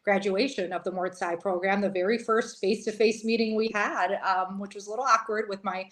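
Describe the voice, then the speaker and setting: A woman with a Minnesotan accent, a funeral director and guest in a casual interview, who laughs often and fills pauses with ums. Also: medium pitch, fairly even intonation, a bit bright. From Italy.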